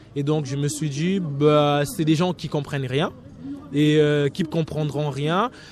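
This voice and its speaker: A man with a Cameroonian accent, his pitch fairly high, at a very slow pace. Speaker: student. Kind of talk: radio interview. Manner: hesitant, many fillers.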